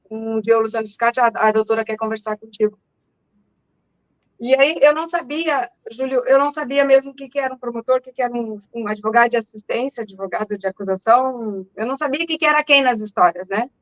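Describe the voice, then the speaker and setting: Guest, middle-aged woman, loud earnest testimony, high voice, lo-fi line. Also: no echo. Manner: talks fast and earnestly, repeats words; self-described loud speaking voice. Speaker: guest, mother. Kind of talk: emotional personal testimony.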